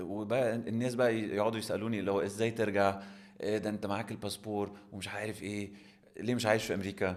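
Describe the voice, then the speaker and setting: Fast-ish and flat, a man talks in a monotone. His pitch is fairly low. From Egypt, mixed Egyptian-American family. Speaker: actor and acting coach. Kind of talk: casual podcast interview, Arabic-English code-switching. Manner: halting, with many fillers and restarts.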